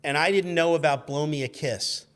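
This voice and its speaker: A man in his fifties talking as a guest in a casual interview, telling stories in an animated, profane, stumbling way. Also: fairly high pitch, normal speed. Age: 50s. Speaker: guest, former radio show intern.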